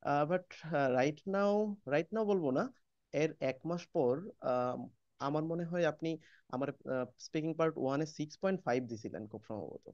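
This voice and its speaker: A man's voice: on the high side, animated, normal speed, darkish tone, clean tone, no room sound, dull audio. A young man, a former student, sharing his experience casually and hesitantly with many fillers. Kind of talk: casual testimony in class.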